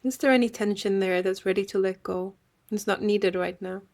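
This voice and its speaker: A woman leading a guided meditation in a gentle, unhurried way, leaving long pauses. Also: mid-range voice, steady tone, creaky.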